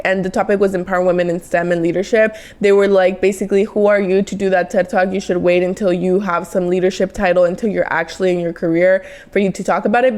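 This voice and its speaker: A woman in her twenties with a Mexican accent hosts a motivational solo podcast, earnest and encouraging, often speeding up in quick bursts. Her voice is mid-range with a darkish tone.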